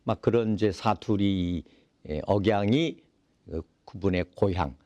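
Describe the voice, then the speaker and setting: A man hosting a sit-down interview, his voice set fairly low. He explains at an unhurried pace with lots of fillers, and the recording is dry and close. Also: mellow, no room sound, highs cut off. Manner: leisurely, explanatory, many fillers. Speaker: interview host. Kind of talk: casual interview talk.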